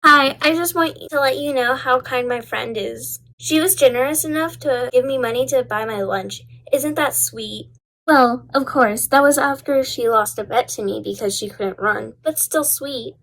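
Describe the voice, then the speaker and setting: A woman voicing a smug, popular mean schoolgirl in an animated web series, taunting with sugary sarcasm. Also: high voice, moderate pace, rough recording. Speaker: voice actor in a fan-made Roblox school series.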